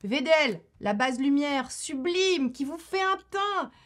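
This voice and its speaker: A woman's voice: sits high, expressive, measured pace, a bit bright. A woman, chatting casually to camera about her favourite beauty products and laughing often. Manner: chatty, laughs often, repeats herself for effect. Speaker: beauty YouTuber.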